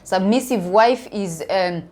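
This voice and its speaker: A woman from Kenya with a Kenyan accent, talking casually to viewers about her opinions in a halting way, repeating words for emphasis. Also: medium pitch, darkish tone. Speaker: online video commentator.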